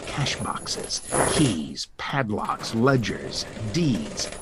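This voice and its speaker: A man narrating a scripted story for an audio drama in a theatrical, deliberate storytelling manner. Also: fairly low pitch, sing-song, background noise.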